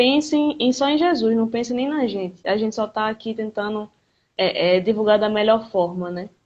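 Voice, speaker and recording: Here a woman speaks with a Pernambuco accent. Her pitch is fairly high. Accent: Pernambuco Brazilian Portuguese. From Brazil, Recife (Pernambuco). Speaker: spiritist live-stream host. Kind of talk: casual live-stream chat.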